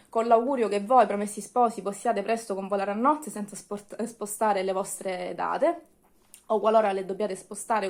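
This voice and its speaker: A woman's voice: medium pitch, darkish tone. Woman, presenting and reading. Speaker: video host and reader. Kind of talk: chatty vlog with expressive dialect verse reading.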